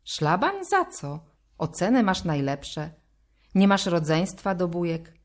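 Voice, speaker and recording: A woman voicing a lively, loud young boy who bosses his best friend around in a storybook reading. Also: on the low side, a little slow, lightly acted. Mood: excited.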